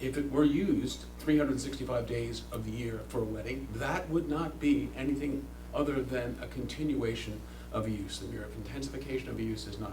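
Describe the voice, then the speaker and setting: A man talking at a fairly quick pace amid audible room echo and noticeable background noise. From Southampton, New York. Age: 60s. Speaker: resident speaking at public hearing. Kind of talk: public comment at hearing.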